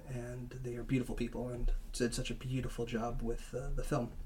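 At a fairly quick pace, a man talks in a somewhat breathy voice at medium pitch with monotone, flat intonation. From San Francisco Bay Area. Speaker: filmmaker and mental health advocate. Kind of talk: casual interview chat.

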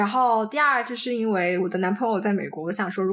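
This woman talks at a fairly quick pace in a normal speaking voice, pitched fairly high. The recording is very clean, with a silent background. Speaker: UX content writer. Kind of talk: interview conversation.

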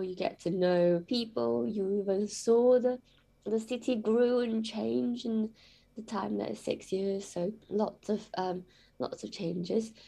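A woman's dark, mellow voice at medium pitch, lively in intonation, at a moderate pace against a quiet background. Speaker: doctor. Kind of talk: casual chat. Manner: nonchalant.

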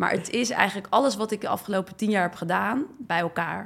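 A woman speaks at a moderate pace with vocal fry and ordinary pitch variation. The recording is very clean, with a silent background. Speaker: entrepreneur. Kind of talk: interview. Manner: hesitant, many fillers.

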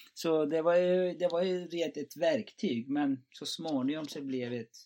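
Speaking slowly with a Turkish accent, a man uses a fairly high pitch, lively intonation, a dark, mellow tone and big swings in loudness. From Turkey, Istanbul. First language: Turkish (speaking Swedish). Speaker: landscape photographer. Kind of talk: interview.

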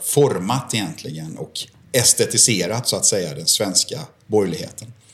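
A man's fairly low voice shows ordinary pitch variation as he talks at a moderate pace. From Gothenburg, Sweden. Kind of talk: interview. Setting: his office.

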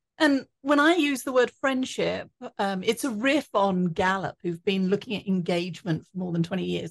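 A woman speaks at a moderate pace, somewhat breathy. Her pitch swings very widely. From England, rural. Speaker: leadership coach and author. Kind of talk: interview.

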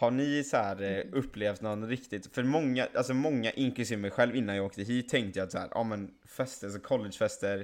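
An ordinary speaking voice from a man, medium in pitch, at a moderate pace with fairly even intonation. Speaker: podcast host. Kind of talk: casual chat.

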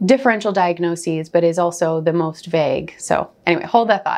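A woman speaks in a plain, everyday voice with a fairly low pitch. Her pitch varies in an ordinary way against a quiet background. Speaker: nurse practitioner and podcast host. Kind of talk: educational monologue. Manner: casual, conversational with filler words.

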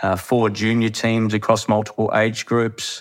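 In an Australian accent, a man with a fairly low voice talks at a fairly slow pace in a flat monotone, recorded very cleanly against a silent background. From Western Australia, Harvey. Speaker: amateur cricketer and coach. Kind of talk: interview.

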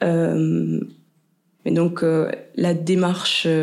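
Her voice sits fairly low for a woman. The tone comes across dark and mellow. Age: 20s. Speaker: social worker. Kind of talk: interview. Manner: hesitant, many fillers.

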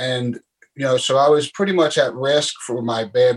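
This is an ordinary speaking voice with an American accent, moving at a moderate pace. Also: man. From Philadelphia, Pennsylvania, US. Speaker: author and podcaster. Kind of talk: interview.

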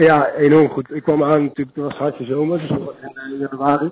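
A fairly high-pitched man at a moderate pace. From Rotterdam, Netherlands. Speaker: professional footballer. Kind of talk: interview. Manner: halting.

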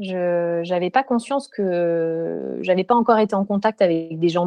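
A woman's dark, mellow voice of medium pitch and ordinary variation comes through dry and close with no echo against a quiet background. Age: 40s. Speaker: tattoo artist and former cancer researcher. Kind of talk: casual interview.

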